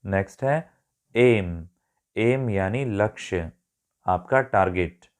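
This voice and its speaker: Man, English teacher, slow-paced, low voice, spells words letter by letter, mixes in English terms. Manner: corrects himself mid-sentence. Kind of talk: explaining vocabulary in a spoken lesson.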